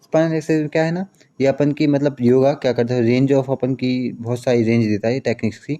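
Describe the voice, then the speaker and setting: A young man coaching students through exam material, talking casually and going over key terms again and again. His voice is very dark and mellow, in a middle pitch. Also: fairly even intonation, a little fast. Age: young adult. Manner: chatty, repeats key terms, mixes in English phrases. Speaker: teacher. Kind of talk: casual exam-prep lesson.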